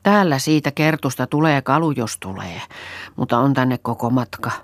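A woman's voice: rumbling low, animated, no echo. A woman reading an audiobook, voicing an earnest woman visitor who coaxes and soothes in a raised, pleading voice.

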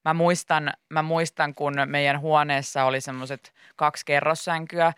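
A woman radio host telling an animated story in casual studio chat, laughing often. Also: low-pitched, smooth, dry recording.

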